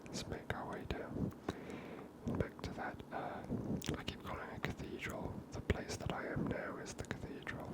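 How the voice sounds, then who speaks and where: An ASMR host whispering a casual commentary while playing a video game, soft and musing, with frequent hesitations. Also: moderate pace, rough recording. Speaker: gaming ASMR channel host.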